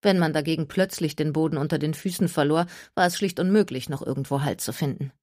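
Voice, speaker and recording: A woman narrating an audiobook in even, clear storytelling. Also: deep voice, fast, no echo, clean studio sound.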